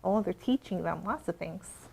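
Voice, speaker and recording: A woman librarian leading an interactive storytime for young children, expressive and asking simple questions. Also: on the low side, normal speed, gravelly, breathy edge, low-quality recording.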